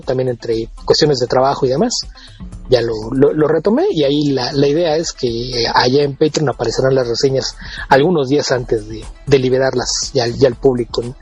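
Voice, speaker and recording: A man's voice: mid-range voice, a little mellow, husky, dull audio. A man with a Mexican Spanish accent, chatting casually as a podcast co-host and often repeating words as he restarts.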